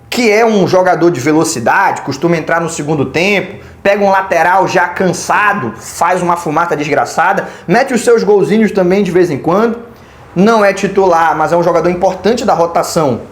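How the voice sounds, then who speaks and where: Brazilian football pundit, middle pitch, casual and slangy, echoey room. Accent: Brazilian Portuguese. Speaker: football channel host. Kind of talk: pre-match football analysis.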